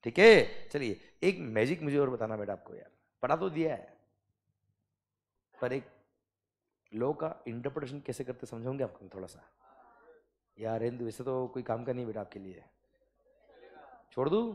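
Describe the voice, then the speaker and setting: A man with an Indian accent lecturing students in a classroom, mixing Hindi and English. He reads legal text slowly word by word and keeps asking the class whether it is clear. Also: mid-range voice. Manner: calls students "beta" and "sir". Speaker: GST teacher.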